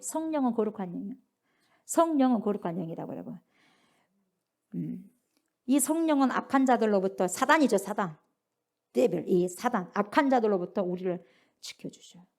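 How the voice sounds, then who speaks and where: A middle-aged woman pastor preaching a sermon, acting out pleading prayers and sharp rebukes. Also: medium pitch.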